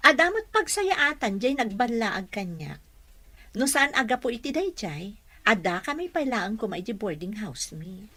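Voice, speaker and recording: A woman's voice: a little high, big pitch swings, a little slow, bright, forceful tone, exaggerated voice. A woman playing a friendly female caregiver to a mansion boss in an Ilocano audio drama. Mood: chatty.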